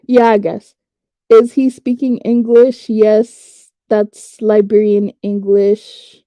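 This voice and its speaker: A woman's voice: medium pitch, flat delivery, slow pace, no room sound. A young woman from Ghana giving skeptical, emphatic commentary and firing off rhetorical questions. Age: young adult. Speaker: online commentator. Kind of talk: casual political commentary. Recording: dull lo-fi dry recording.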